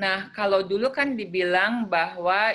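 A woman with a bright, sharp tone speaks at a fairly slow pace. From Indonesia, rural village. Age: 50s. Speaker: market research director; guest. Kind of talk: panel talk. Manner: animated. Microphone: video call.

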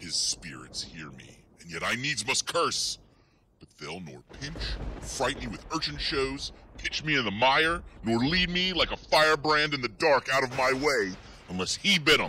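In a put-on character voice, a man sounds raspy at a medium pitch. His pace is moderate. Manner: bitter, fearful.

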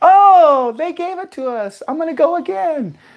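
A squeaky, high-pitched put-on character voice comes through. It moves at a moderate pace against a quiet background. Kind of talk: live stream chat. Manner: happy, excited.

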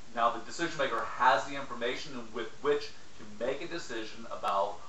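A man talks at a moderate pace amid audible room echo and light background noise. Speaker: sales trainer. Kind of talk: tutorial. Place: home room. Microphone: camera far.

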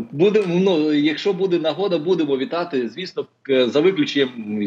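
A man with a Russian accent at a fairly slow pace. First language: Russian (speaking Ukrainian). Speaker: film studio director; remote guest. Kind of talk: interview. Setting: Skype video call. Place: home room. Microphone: video call.

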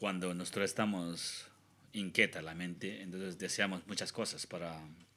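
Slowly and in a monotone, a man speaks with flat intonation. His pitch is very deep and low, yet his tone is bright and sharp. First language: Tibetan (speaking Spanish). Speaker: Buddhist teacher. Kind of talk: dharma teaching. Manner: halting, broken Spanish. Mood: calm, gentle. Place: hall. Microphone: podium.

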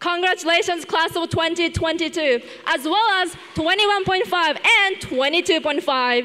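This woman has an extremely high pitch and a bright, sharp tone, with ordinary pitch variation. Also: moderate pace.

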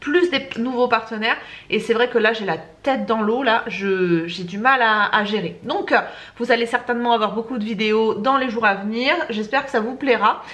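A woman talks at a moderate pace. Her pitch shows ordinary variation. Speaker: beauty vlogger. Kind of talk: casual vlog chat. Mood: busy, a bit overwhelmed. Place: home room.

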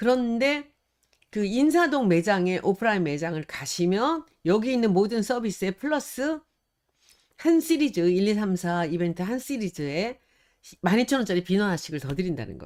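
Recorded very cleanly against a silent background, a woman speaks at a moderate pace and a medium pitch, her voice swinging very widely up and down. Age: 70s. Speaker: YouTube political commentator. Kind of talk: casual chat and product promotion. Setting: about to leave for the airport.

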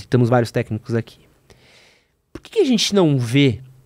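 The speaker moves at a fairly quick pace. The background is quiet. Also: man. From Brazil. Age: 30s. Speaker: podcast host. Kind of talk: casual chat. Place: studio. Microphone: studio mic.

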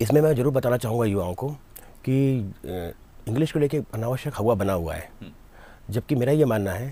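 With a dark, mellow tone and lively intonation, a man talks at a fairly slow pace with long, frequent pauses, in a dry sound with no echo. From Uttar Pradesh, village near Varanasi; Uttar Pradesh. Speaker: police officer; guest. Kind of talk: interview. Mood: calm, earnest, confident. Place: studio.

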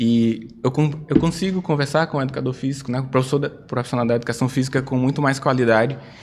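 Hardly pausing at all, a somewhat breathy man of medium pitch talks at a very fast pace with fairly even intonation over light background noise. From Cariri, Ceará, Brazil; Ceará, Brazil. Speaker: physician and podcast host; podcast host. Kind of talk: interview. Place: studio. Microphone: studio mic.

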